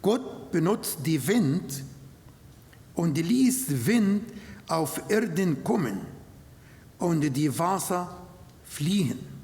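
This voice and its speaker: High-voiced Arabic-speaking man preaching slowly. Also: lively intonation, a little mellow. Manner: slow, halting German with non-native grammar. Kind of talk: sermon. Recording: long hall reverb.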